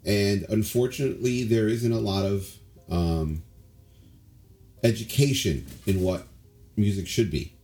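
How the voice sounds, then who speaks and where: Opinionated, rambling lower-voiced man. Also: a little slow, pauses often, mellow. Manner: rambling, opinionated, many fillers. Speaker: podcast co-host. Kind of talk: casual chat.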